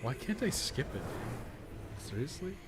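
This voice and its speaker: Male game streamer, mid-pitched, casual and sweary, muttering play-by-play with noticeable background noise. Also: sing-song, unhurried. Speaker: game streamer, podcast host. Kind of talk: casual live gameplay commentary.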